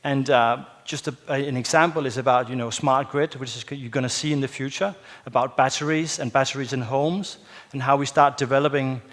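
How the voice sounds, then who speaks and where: A man's voice: medium pitch, steady tone, fairly quick, fairly bright tone. A middle-aged man with a Danish accent, speaking English as a second language on a conference stage, hesitant with many fillers and a habitual "yeah?". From Denmark. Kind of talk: conference talk. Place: large hotel conference hall stage. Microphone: headset or lapel mic, far camera. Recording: long hall reverb.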